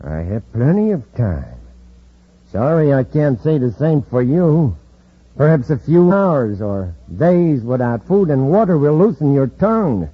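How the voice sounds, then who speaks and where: Scheming gang boss, husky, calm menace, old radio play, muffled vintage sound. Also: male voice, medium pitch, a little slow. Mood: menacing. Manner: smooth, cool menace. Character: scheming male villain gang leader, cold and calculating. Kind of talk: 1950s radio drama acting. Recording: dull old radio broadcast recording.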